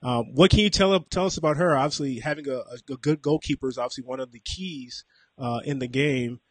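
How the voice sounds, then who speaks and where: A man's voice: mid-range voice, brisk, breathy edge, no room sound. A man hosting a sports radio show, asking questions steadily with some fillers. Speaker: radio host.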